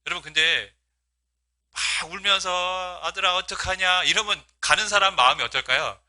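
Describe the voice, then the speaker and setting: A man's voice: sits high, normal speed, bright, forceful tone. A male pastor preaching a sermon, asking his congregation rhetorical questions and acting out quoted speech with feeling. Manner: voices quoted speech with rising emotional emphasis.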